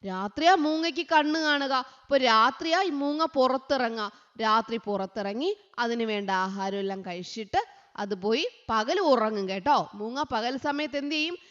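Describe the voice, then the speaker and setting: A woman tutor, teaching young children, asking questions and answering them herself, sometimes chanting lines slowly. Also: a little high, fairly bright tone. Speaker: online tutor. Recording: dull sound with a long echo.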